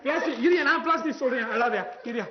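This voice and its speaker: A man playing a bossy news anchor in a comedy sketch, loud and scolding. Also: very high-pitched, fast, over a noisy crowd. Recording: muffled recording with loud noise.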